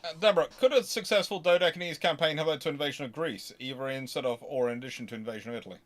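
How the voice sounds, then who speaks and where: A man hosting an unscripted history question-and-answer stream, talking casually in a halting, digressive way and often correcting himself. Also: fairly high pitch. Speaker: history livestream host.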